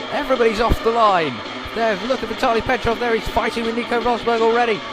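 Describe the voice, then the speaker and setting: Pitched extremely high, a man talks with fairly level intonation while background noise is clearly audible. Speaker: sports commentator. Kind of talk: live motorsport race commentary.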